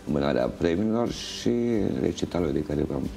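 An older man being interviewed in a TV studio, explaining things in a halting, measured way. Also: rumbling low, expressive, gravelly, dark tone. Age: older, around 60s. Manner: halting, measured, pausing mid-phrase. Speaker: interview guest, folk festival organizer and juror. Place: indoor TV studio. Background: music playing.

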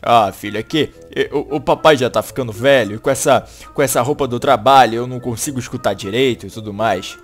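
A lazy, aging father in a game-animation comedy, voiced well below the performer's own pitch. He stammers and drags his words, sounding a little distant from the mic. Faint music runs underneath. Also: a little fast, hardly any pauses, close to an everyday voice. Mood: sheepish. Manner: stammering, sluggish.

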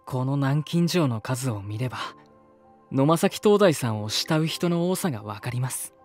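A man's voice: medium pitch, lively intonation, moderate pace, a little mellow, lightly acted. An actor playing an earnest, polite young man in a voice drama, speaking with mild sincerity. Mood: admiring, reflective. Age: young adult. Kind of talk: voice drama dialogue and reflective narration. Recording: music behind. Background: music.

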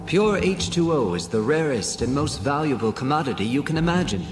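A man voicing a sorrowful male alien rebel leader in a read-along story, speaking in a grave, measured way. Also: a little high, sing-song, long reverb tail. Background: music.

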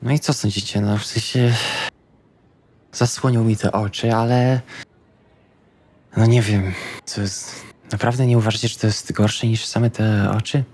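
A man's voice: lowish voice, fairly even intonation, measured pace, pauses often, darkish tone. A man playing in a tabletop role-playing game, talking casually in and out of character.

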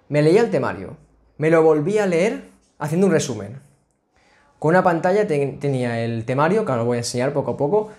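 Chatty young man at his webcam. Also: fairly high pitch. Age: 20s. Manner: chatty, restarts and filler sounds, animated hand gestures. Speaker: student vlogger. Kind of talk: casual explainer vlog. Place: small home office with a desk. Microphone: laptop webcam, framed at a desk.

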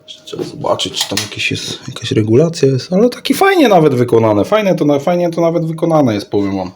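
A man's voice: a little high, very animated, brisk, darkish tone, a little hiss or hum. A man giving a casual, off-the-cuff product showcase in a rambling way, often repeating his words and phrases. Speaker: radio hobbyist vlogger.

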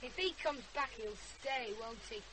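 Rebellious teen girl played by an actress, Northern English, scornful and blunt, pitched high, radio drama with clear background noise. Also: normal speed, lightly acted. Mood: cheeky. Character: cheeky, rebellious fifteen-year-old girl. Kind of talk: naturalistic radio drama acting.

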